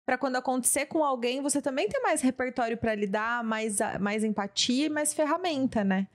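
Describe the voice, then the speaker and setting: Higher-voiced woman hosting an interview. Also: brisk. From Brazil. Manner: reflective, affirming the guest. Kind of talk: casual interview.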